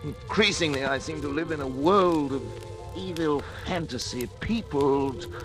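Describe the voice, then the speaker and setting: An actor in an old radio drama playing a frightened scientist, theatrical and prone to frantic outbursts. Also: male voice, a little high, unhurried, lightly acted. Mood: brooding. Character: frightened male scientist, haunted by his creation. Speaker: lead actor and narrator of diary entries. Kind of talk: 1940s radio acting. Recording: old radio broadcast with music.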